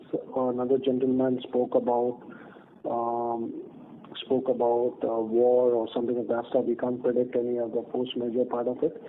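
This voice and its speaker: A male company executive answering questions on an earnings conference call, speaking haltingly with repeated words over a phone line. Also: medium pitch, a little hiss or hum.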